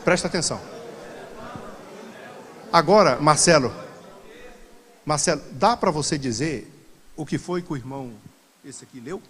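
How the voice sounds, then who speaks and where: High-voiced pastor teaching the church, goes quiet then loud and worked up, long hall echo. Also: male voice, unhurried, pauses often, a faint crowd. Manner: animated preaching that swings from quiet asides to loud exclamations. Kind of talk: Bible study sermon to a congregation.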